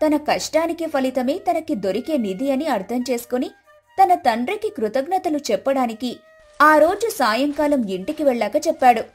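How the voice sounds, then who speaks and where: Female storyteller, high voice, scripted moral-tale narration over music. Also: lively intonation, normal speed.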